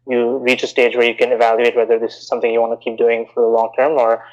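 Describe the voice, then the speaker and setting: Measured, even-toned man explaining finance. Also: medium pitch, highs cut off. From India, raised in Bahrain. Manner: measured, explanatory, with many "you know" fillers. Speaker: guest, investment banker. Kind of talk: podcast interview answers.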